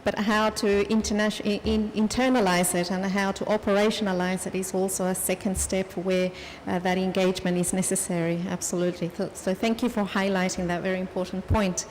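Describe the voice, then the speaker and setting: A woman moderates a panel discussion, politely thanking the speakers before she poses the next question. Her voice has an ordinary middle pitch for a woman. The room adds a long reverb with faint noise underneath. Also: little pitch movement, a little fast, few pauses, a little mellow.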